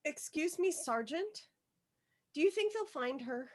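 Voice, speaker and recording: A woman's voice: high-pitched, lively intonation, unhurried. A woman playing an earnest, anxious young schoolgirl in a script read, speaking hesitantly and politely. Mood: uneasy, curious. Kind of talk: virtual table read of a film script.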